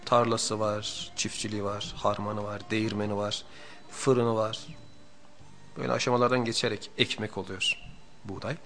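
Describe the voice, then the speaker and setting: A middle-aged man giving a religious lecture on the radio, explaining points in a measured way and stacking up lists and repetitions for emphasis. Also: fairly low pitch, level tone, a bit bright. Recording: radio archive with faint music.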